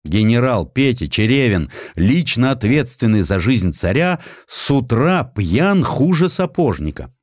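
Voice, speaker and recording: A proud naval officer, acted by a male narrator, defiant and sardonic. He speaks formally and pointedly, with very lively pitch, in a dry audiobook recording. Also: unhurried, few pauses, dry recording. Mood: grumbling. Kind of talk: dramatized audiobook.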